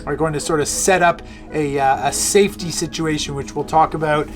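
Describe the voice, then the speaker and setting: A man with a slightly high voice presents a vlog in a casual way. He pauses and rephrases as he talks to camera. Music plays clearly behind him. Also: steady tone.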